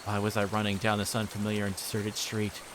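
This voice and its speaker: A man reads first-person visual novel narration on a livestream. His voice sits somewhat low, and the delivery is dramatic storytelling. There is some noise behind him. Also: completely flat delivery, fast talker.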